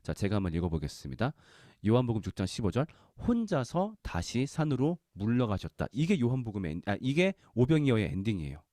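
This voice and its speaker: A man's voice: on the low side, big pitch swings, fast, warm tone, no room sound, clean studio sound. A man teaching a Bible lesson in a conversational way, asking the listeners questions and acting out quotes. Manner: conversational, acts out quotes, asks the audience questions. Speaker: Bible study lecturer.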